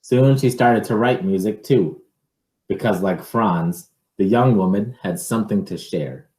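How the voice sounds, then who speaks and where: Slow-reading man in an echoey room. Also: on the low side. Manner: measured, expressive, pausing to wonder aloud. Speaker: reader, teacher reading a picture book aloud. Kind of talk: picture-book read-aloud with informal asides to children.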